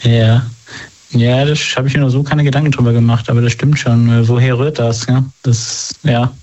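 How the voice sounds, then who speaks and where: A man answering interview questions in a halting, matter-of-fact way, with frequent fillers. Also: medium pitch, fairly even intonation, mellow. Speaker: guest. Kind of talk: casual conversational interview. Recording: dull lo-fi sound.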